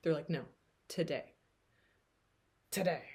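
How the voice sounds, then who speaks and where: With an American accent, this voice sounds somewhat breathy. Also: woman. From Pennsylvania, US. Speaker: tarot reader. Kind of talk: tarot reading to camera; guided breathing instruction. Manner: casual, chatty with fillers.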